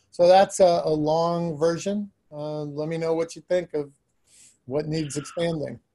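Using a high pitch for a man and a dark, mellow tone, he speaks at a fairly slow pace with fairly even intonation and big swings in loudness, on a very clean recording with a silent background. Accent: American. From Los Angeles, Southern California. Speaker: former neuroscientist, nonprofit founder. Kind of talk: interview.

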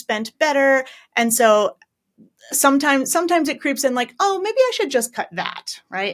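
A woman with a Northeastern US accent, high in pitch, at a moderate pace, in a very clean recording with a silent background. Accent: American (Northeastern). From upstate New York. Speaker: accent coach. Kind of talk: casual coaching conversation.

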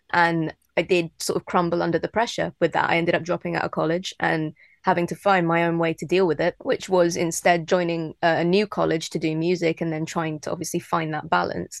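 With a London accent, a woman talks at a fairly quick pace in a fairly low pitch with monotone, flat intonation. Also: dry, close sound with no echo, quiet background. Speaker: musician and writer. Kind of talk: casual interview.

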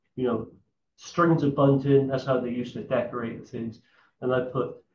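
The man's voice is somewhat breathy, at a medium pitch. His intonation stays fairly even. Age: 80s+. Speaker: author. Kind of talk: interview. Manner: halting.

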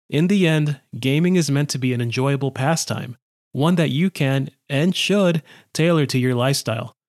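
Recorded very cleanly against a silent background, a man with an ordinary speaking voice talks at a moderate pace, fairly high pitch and ordinary pitch variation. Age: 30s. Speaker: video game podcast host. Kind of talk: solo podcast monologue, partly scripted. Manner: relaxed, casual.

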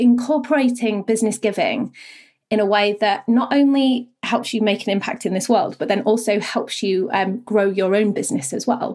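A woman with a British accent, fairly high in pitch, at a moderate pace with ordinary pitch variation. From UK. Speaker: podcast host. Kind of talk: interview, casual chat.

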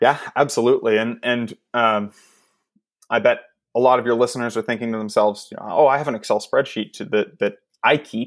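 Using a normal speaking voice, a man of medium pitch talks at a fairly quick pace, his loudness swinging widely. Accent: American. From US Northeast, Maine. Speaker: sales and growth executive. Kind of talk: interview. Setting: remote call.

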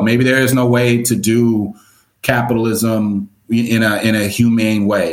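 Audible room echo surrounds a man with an American accent. His pitch is medium, with ordinary variation. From suburban Chicago, US. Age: 40s. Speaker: psychology professor and hip hop scholar. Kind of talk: interview.

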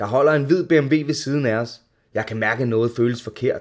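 A man talks in a plain, everyday voice on a very clean recording with a silent background. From Denmark, Ishøj (Copenhagen area). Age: 30s. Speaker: former gang member telling his life story. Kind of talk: personal testimony; spiritual advice.

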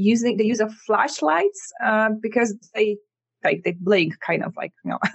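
A woman with a Polish accent speaks at a moderate pace in a fairly high pitch with ordinary pitch variation. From Poland. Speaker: photographer and workshop teacher. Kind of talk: interview, casual conversation. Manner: halting, with restarts.

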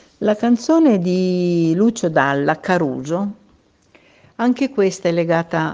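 Against a quiet background, a woman speaks at a fairly slow pace in a fairly low pitch, with a dark, mellow tone and ordinary pitch variation. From northern Italy. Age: old. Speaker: retired volunteer. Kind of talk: casual chat.

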